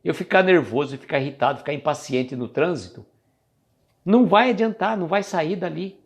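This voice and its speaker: A man's voice: fairly high pitch, fairly quick. Chatty Brazilian man reflecting on patience. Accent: Brazilian Portuguese. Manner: conversational, chatty, greets viewers, loses his thread. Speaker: host of a live stream. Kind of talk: casual spiritual reflection.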